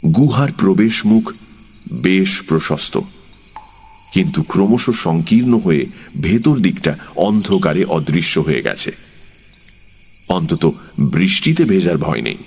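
Slow, deep-voiced male narrator. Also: lively intonation, vocal fry, darkish tone, breathy edge. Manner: measured, unhurried storytelling. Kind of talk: audiobook narration.

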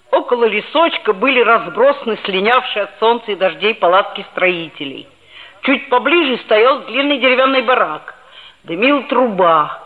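A woman's voice: mid-range voice, natural voice. A woman playing a chatty, teasing red-haired schoolboy who narrates, in 1960s radio drama style. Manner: teasing, needling questions. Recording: tinny old 1960s radio recording.

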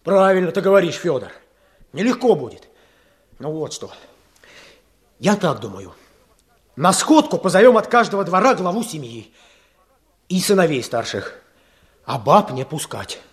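A man's voice: sits high, big pitch swings, moderate pace, pauses often. Kuzma, an earnest village chairman. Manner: persuasive, coaxing, firm. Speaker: village chairman leading a meeting. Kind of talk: radio play acting.

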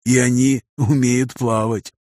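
A man voicing a calm, ruthless old patriarch in an audiobook, speaking slowly and quietly. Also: mid-range voice, no room sound, clean studio sound, natural voice. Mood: cold calm. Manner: slow, measured, hushed. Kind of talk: audiobook character reading.

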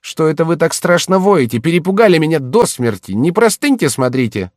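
A man's voice: sing-song, a little fast, a little mellow, no room sound, clean studio sound. A man voicing a fretful older servant in a read-aloud tale, in a raised, fussing voice. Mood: alarmed. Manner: high, fussing, chiding.

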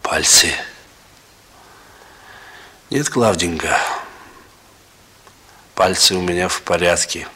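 A young actor playing a rough, laconic young man with a hard past who talks in a colloquial, gently teasing way, in 1960s radio drama style. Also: deep voice, takes it slowly, pauses often, exaggerated voice. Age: young adult.

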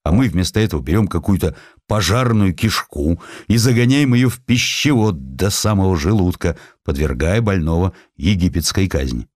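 A man playing an opinionated, commanding nineteenth-century doctor lecturing his students in an emphatic, deliberate, didactic way for an audiobook. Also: deep voice, animated, no room sound, studio quality. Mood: indignant.

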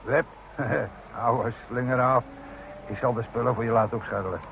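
A man plays a blunt foreman in a radio play. He is middle-pitched, authoritative and short on patience. Faint noise sits on the old recording. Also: steady tone, moderate pace, fairly bright tone, lo-fi sound, close to an everyday voice. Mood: stern. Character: gruff, commanding male site boss, impatient with backtalk. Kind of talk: Dutch radio drama acting.

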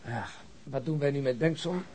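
An actor playing a world-weary deputy chief inspector in a radio drama, with a blunt, wry way of talking. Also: male voice, mid-range voice, moderate pace, mellow, close to an everyday voice. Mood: musing. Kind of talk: naturalistic radio drama acting.

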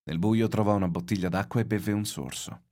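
A man reading a novel aloud in measured, expressive literary narration. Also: on the low side.

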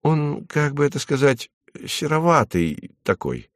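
A man voicing a timid, tender-hearted male commandant who speaks softly and hesitantly. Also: on the high side, sing-song, measured pace, no room sound, clean studio sound, voice pushed up. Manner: soft and hesitant.

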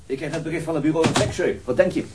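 An actor playing an urgent, concerned police detective in a radio drama, brisk and clipped, with a raspy voice. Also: male voice, on the high side, very noisy, natural voice.

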